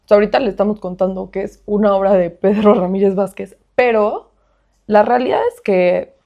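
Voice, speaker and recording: A young woman with a Mexican accent co-hosting a casual podcast, agreeable and quick to chime in with short affirmations. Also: medium pitch, steady tone, gravelly, highs cut off. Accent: Mexican Spanish. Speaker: podcast co-host. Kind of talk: casual chat.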